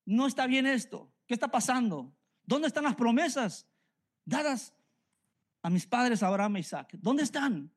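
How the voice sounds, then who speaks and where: A man's voice: very high voice, expressive, measured pace, pitched above the performer's own voice, heavily acted. A man with a Mexican Spanish accent voicing an old grieving patriarch who asks why everything goes against him. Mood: despairing. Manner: lamenting, pleading questions.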